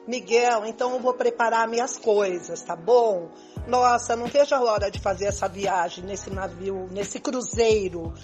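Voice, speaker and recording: A woman playing an anxious, possessive, quick-tempered lover in an amateur radio soap, dramatic and insistent. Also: medium pitch, a little mellow, soft background music, close to an everyday voice. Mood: excited, anxious.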